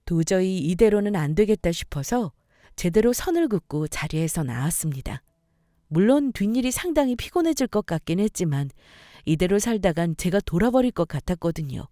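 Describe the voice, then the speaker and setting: Calm woman narrating a story. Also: on the low side, normal speed, dry recording, clean studio sound. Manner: calm, composed, firm. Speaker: narrator and main character.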